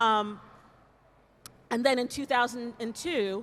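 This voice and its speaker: Fairly high in pitch, a woman talks in an unremarkable speaking voice. She moves at a fairly slow pace with ordinary pitch variation. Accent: American. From US, Washington DC. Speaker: arts executive. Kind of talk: conference presentation.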